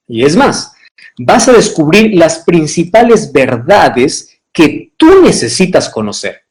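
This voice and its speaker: Man, pastor, livestream sermon, lively swooping pitch, slightly high voice, chatty viewer check-ins. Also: low-quality recording. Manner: animated, addresses viewer directly with frequent checks; spells out web address and numbers slowly.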